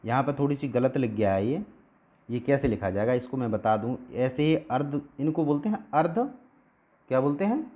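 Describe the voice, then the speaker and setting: A man teaching a lesson at a board, speaking in a steady mid-range voice. He poses questions to his listeners and then answers them himself. He stretches out single sounds slowly to demonstrate how each one is pronounced. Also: mid-range voice.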